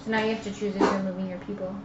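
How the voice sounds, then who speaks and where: A woman's voice: mid-range voice, little pitch movement, very fast. A woman chatting casually during a board game, questioning and prompting the other players. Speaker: player on a live tabletop stream. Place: room around a game table. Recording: muffled, noisy, echoey room recording.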